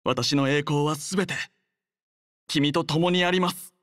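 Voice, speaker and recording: A courteous, devoted young soldier, close-miked. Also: male voice, on the high side, steady tone, no room sound. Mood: earnest, devoted. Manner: polite, soft-spoken, measured, sincere. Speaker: voice actor. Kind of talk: acted game character voice lines.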